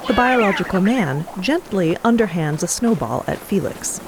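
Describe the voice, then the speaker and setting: A woman's voice: mid-range voice, lively intonation, normal speed, noisy background. A woman giving wry, descriptive scripted narration for a fiction podcast.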